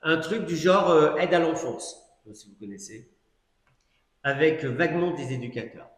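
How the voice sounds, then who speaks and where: A man's voice: on the high side, animated, moderate pace. Middle-aged male preacher, casual storytelling testimony with asides, roomy church echo. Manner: conversational storytelling with many asides and fillers. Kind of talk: testimony sermon. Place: church hall. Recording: echoey church hall recording.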